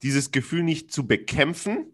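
Brief: adult man, reflective chat, halting delivery full of fillers, candid and earnest. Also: a little high, animated, fairly bright tone. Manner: searching, halting, with many fillers and restarts; earnest and frank, with blunt slang. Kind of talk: reflective podcast conversation.

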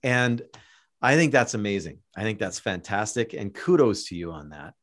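A Canadian man hosts a podcast in relaxed conversation. He rambles, circles back on his own words and stumbles through restarts, yet keeps the tone upbeat and encouraging. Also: on the low side, normal speed. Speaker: podcast host. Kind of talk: casual interview chat.

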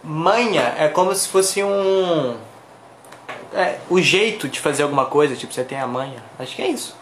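A man from Brazil co-hosting a live lesson, relaxed as he reads out viewer questions and chimes in briefly. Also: fairly high pitch, normal speed, roomy sound, a little hiss or hum. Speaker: co-host reading viewer questions. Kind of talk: casual chat in a live lesson.

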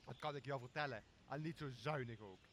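A man's voice: mid-range voice, fairly quick, a bit bright, a little hiss or hum, lightly acted. A young man playing a boozy, blustering, greedy castaway in a Shakespeare radio play, with a coarse and bossy manner. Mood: startled, blustering. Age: young adult. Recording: clear outdoor nature sound behind voice.

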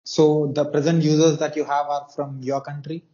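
A man interviewing a guest, asking halting questions with many fillers. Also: on the high side, flat delivery, dark tone. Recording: dull lo-fi call audio.

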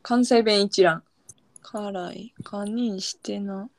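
A woman's voice: medium pitch, fairly even intonation, takes it slowly, vocal fry, dry recording. A woman with a Kansai accent, a podcast co-host, easygoing in casual chat as she reels off dialect words.

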